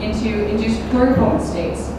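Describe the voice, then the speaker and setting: A young adult woman, a student debater, arguing quickly and assertively in a formal debate. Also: on the high side. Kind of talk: formal debate, cross-examination. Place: large echoey university hall. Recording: echoey hall, distant mic, background noise.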